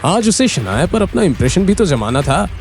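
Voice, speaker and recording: A man's voice: sits high, sing-song, brisk, heavy background noise. A man narrating an audio drama in a dramatic storytelling way.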